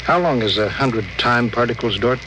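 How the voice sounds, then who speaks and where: An actor playing a stern, weary starship captain who gives clipped, commanding orders in a 1950s radio drama. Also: male voice, medium pitch, normal speed, natural voice. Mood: grim. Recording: hissy old radio broadcast.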